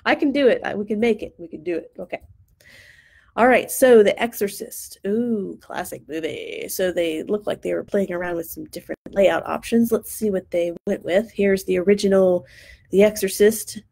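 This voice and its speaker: A woman's voice: mid-range voice, normal speed, vocal fry, darkish tone, breathy edge. A woman in her thirties talks through student poster designs on a live stream, upbeat and chatty as she thinks aloud. Her voice sounds worn and starts to crack after long use. She speaks into a desk mic in a home studio.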